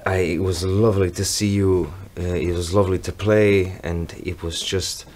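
A young man from Croatia with a Croatian accent, a touring bass player giving a grateful, halting greeting to fans from a backstage room. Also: steady tone, darkish tone, a little hiss or hum. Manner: grateful, halting, searching for words. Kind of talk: casual video greeting to fans.

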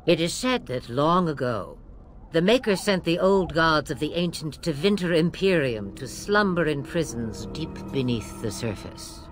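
Sly, low-voiced old witch. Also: lively intonation, a little hiss or hum. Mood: wry, portentous. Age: older. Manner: theatrical, measured, wry. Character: old witch mother, sly, imperious, sardonic. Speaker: witch of the wilds. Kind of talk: fantasy game dialogue.

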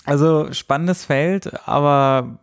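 Man with a creaky voice, chatting. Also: a little high, slow. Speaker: podcast co-host. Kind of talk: casual podcast chat.

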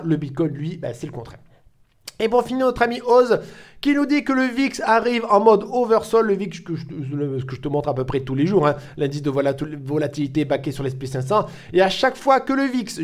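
A chatty man runs through crypto news in a casual commentary. His voice sits high for a man, and it keeps jumping up and down as he talks, full of fillers and restarts. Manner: chatty, lively swings in pitch, many fillers. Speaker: crypto channel host.

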